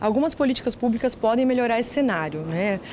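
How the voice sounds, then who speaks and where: A woman speaks at a fairly high pitch, with noticeable background noise behind her. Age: young. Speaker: economist. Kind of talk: news interview.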